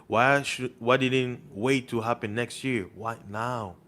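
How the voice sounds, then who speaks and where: A man's voice: medium pitch, fairly even intonation, slow pace, bright, forceful tone. A man delivering an impassioned monologue as an online preacher, insistent and full of rhetorical questions, repeating words for emphasis.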